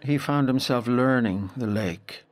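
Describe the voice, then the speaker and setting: A man with a Northern Irish accent playing a reflective storyteller, narrating a literary audio drama in a measured, deliberate way. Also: mid-range voice, close to an everyday voice. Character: reflective male storyteller recalling a boy's rural Irish childhood.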